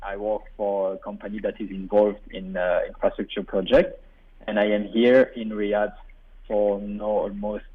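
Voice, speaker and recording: A man's voice: lowish voice, little pitch movement, normal speed, husky. A man in his forties with a French-speaking Belgian accent, born in Burundi and a native French speaker, chatting as a radio guest and often repeating words while he searches for them. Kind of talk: radio interview. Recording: phone line.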